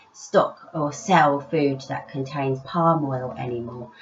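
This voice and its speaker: A woman author reading her own story aloud in an expressive children's storytelling style. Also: lowish voice, lo-fi sound.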